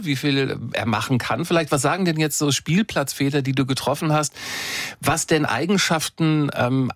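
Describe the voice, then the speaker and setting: A man's voice: mid-range voice, no echo, studio quality. A man hosting a radio talk show, conversational and reflective, with frequent fillers.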